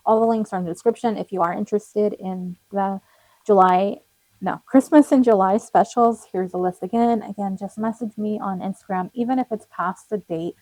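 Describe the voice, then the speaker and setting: A young woman giving a casual tarot card reading, chatty and rambling with little laughs, her voice hoarse and cracking. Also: mid-range voice, normal speed, dark tone, no echo, poor audio. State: losing her voice, slightly cracking.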